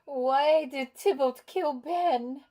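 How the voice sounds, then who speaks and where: A man playing a troubled, tender young Latina pleading with her father, speaking haltingly in a drama table read. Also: extremely high pitch, darkish tone. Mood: tender, distressed. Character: Julia, troubled young Latina, born Julio, pleading with Papa.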